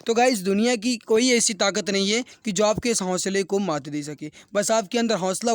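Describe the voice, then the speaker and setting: Male exam tutor, sore throat. High, smooth voice, dry close sound. Earnest and encouraging, repeats every question. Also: no room sound. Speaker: exam-prep teacher. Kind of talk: online exam practice class.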